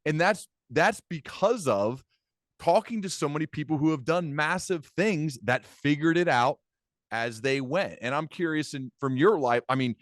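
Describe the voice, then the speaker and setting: A man hosts a long-form interview in a dry, close-sounding space. His pitch sits in an average male range. He speaks conversationally and enthusiastically, thinking aloud and repeating key phrases for emphasis. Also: no echo. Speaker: podcast host and interviewer.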